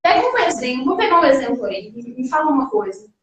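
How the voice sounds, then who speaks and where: A woman's voice: high-pitched, sing-song, fast talker, very echoey, distant mic, slight background noise, rough recording. A woman co-teaching a casual live English lesson who often chimes in with short words of agreement.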